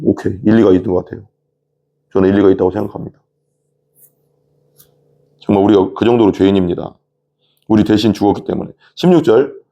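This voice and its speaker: A male pastor giving a sermon in a relaxed, conversational manner, explaining each point and asking rhetorical questions. His voice sits low, with a gravelly rasp and a dark, mellow tone. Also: muffled recording.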